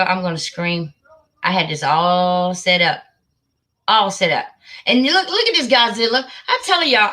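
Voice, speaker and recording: Chatty woman on a livestream, bright voice, gets excited, mutters to herself. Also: medium pitch, rough recording. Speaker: livestream host. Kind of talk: casual livestream chat.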